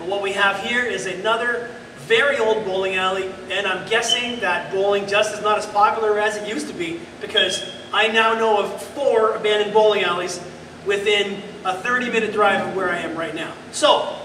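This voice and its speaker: A man uses a raised, projected voice at a moderate pace with fairly even intonation. There is audible room echo and light background noise. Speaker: urban explorer vlogger. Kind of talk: casual vlog chat. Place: hall.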